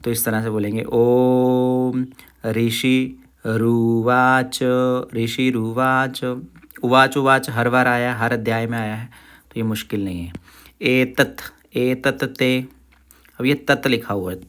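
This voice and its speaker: A man leads an online lesson in Sanskrit recitation. He chants lines slowly, stretching each syllable so learners can follow. Between verses he slips into quick, plain explanation. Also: mid-range voice, steady tone, fairly bright tone.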